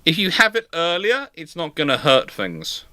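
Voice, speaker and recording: A man's voice: fairly high pitch, wildly swooping pitch, bright, forceful tone, no room sound. Guy doing live history q&a, stop-start delivery, dry humour, very dry close sound. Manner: hesitant, halting delivery with repeated words. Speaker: host answering audience questions. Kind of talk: live history Q&A, informal commentary.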